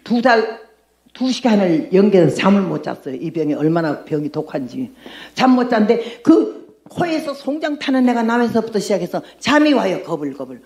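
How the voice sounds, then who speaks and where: An older woman missionary giving a lively testimony sermon, telling her story and acting out her own past words. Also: medium pitch, moderate pace. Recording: echoey room.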